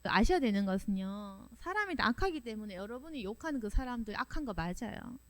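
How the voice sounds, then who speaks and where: A woman pastor preaching a sermon in an animated way, firing off strings of rhetorical questions and laughing now and then. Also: fairly high pitch, a little fast.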